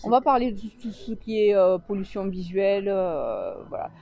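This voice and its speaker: A woman organizing a local public meeting, speaking hesitantly in an interview with many filler pauses. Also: mid-range voice, big pitch swings, vocal fry, warm tone, muffled recording. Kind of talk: radio interview.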